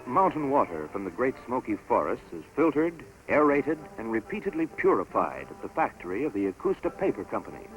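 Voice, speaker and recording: A man giving scripted narration for a promotional documentary film in a measured, stately announcer delivery. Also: medium pitch, poor audio. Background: orchestral music score.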